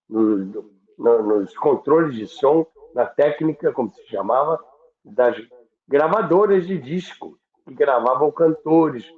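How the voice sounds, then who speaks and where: A Brazilian man explaining things informally as an interview guest, halting and repeating words, with rhetorical questions. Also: mid-range voice. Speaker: interview guest on radio history. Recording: phone-like thin sound, echoey room.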